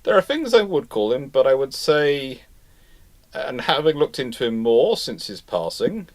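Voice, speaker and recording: A man's voice: medium pitch, very animated, a little slow. Man explaining in casual panel talk. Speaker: live stream host answering naval history questions.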